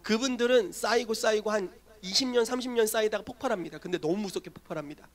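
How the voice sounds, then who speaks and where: A man preaching a sermon as pastor, telling lively stories and asking the congregation questions. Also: high voice, fast. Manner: animated storytelling, asks the congregation questions.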